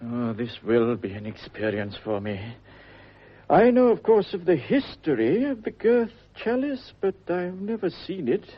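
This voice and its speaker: An actor playing an elderly master jeweller, formal, deliberate and courteous, in a radio drama. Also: male voice, on the high side, very animated, husky, heavily acted. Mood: courteous, discreet. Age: older. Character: courteous old male master jeweller, discreet and proud. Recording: muffled old radio recording.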